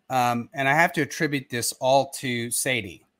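A man's normal speaking voice, medium in pitch and fairly slow, on a very clean recording with a silent background. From West Texas. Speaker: horror author. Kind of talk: casual chat.

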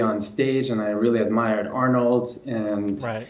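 A man with a Lithuanian accent speaks at a fairly quick pace in a medium pitch, his intonation monotone and flat, over noticeable background noise. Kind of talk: casual interview. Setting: video call.

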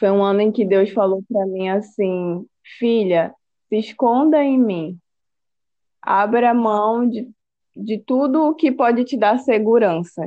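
A woman with a Belém accent speaks very slowly in a fairly high voice, with long, frequent pauses. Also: ordinary pitch variation. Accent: Belém accent with hissing s, mistaken for Rio. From Belém do Pará, Brazil. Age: 20s. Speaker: occupational therapist and church youth leader. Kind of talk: casual chat with faith testimony.

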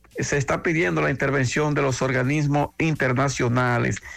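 The recording is very clean, with a silent background. It is an ordinary speaking voice with ordinary pitch variation. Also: man. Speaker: border correspondent. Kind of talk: news report.

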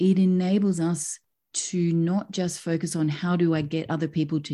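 The voice has a dark, mellow tone and an Australian accent, moving at a fairly slow pace with fairly even intonation. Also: woman. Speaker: visibility coach, school founder. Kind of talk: casual chat. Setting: video call.

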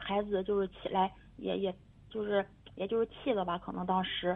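In monotone, flat intonation, a woman talks at a fairly quick pace. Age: 40s. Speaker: caller. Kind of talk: call-in. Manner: halting.

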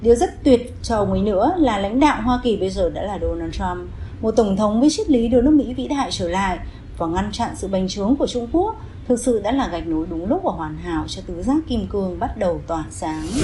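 With noticeable background noise behind her, a woman talks fairly quickly. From Hanoi, Vietnam. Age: 40s. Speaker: panel guest, citizen commentator. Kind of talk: panel discussion.

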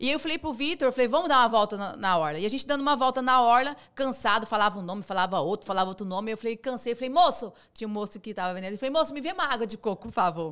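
Over a silent background in a very clean recording, a woman with a fairly high pitch talks very fast and with lively intonation, barely pausing. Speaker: entrepreneur and lawyer. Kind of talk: live podcast interview.

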